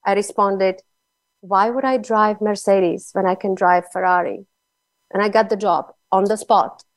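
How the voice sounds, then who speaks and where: A woman's voice: medium pitch, steady tone, unhurried, no room sound. A woman with a Slovak accent, a guest author telling personal stories in a conversational interview.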